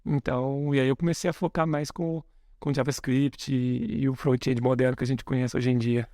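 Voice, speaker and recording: Relaxed man, dry sound. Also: medium pitch, moderate pace, no room sound. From Brazil, Belo Horizonte. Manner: relaxed, thoughtful, frequent self-corrections, chuckles softly. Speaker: guest, software engineer. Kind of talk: casual podcast conversation.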